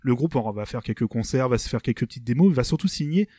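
A man's voice: mid-range voice, animated, fast, warm tone, dry recording, studio quality. A man co-hosting a casual music podcast, rambling and hesitant with many fillers. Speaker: podcast co-host presenting a band. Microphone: desk microphone.

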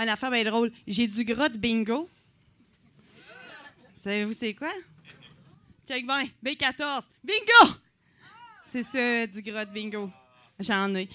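A woman in her forties with a Quebec French accent performs a stand-up set. Her voice sounds bright and a bit high, and she mocks herself in a chatty way, full of filler words. The recording is dry and close. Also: no echo. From Quebec City, Canada. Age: 40s. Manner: self-mocking, chatty, with many fillers. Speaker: stand-up comedian. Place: comedy night on stage.

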